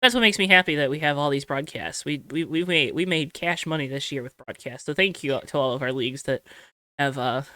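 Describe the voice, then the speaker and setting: A young man hosts a casual podcast in a noticeably high-pitched voice. His tone is bright and crisp, and he rambles with plenty of fillers. The sound is dry and close to the mic. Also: fairly quick, dry recording. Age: young adult. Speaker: podcast host.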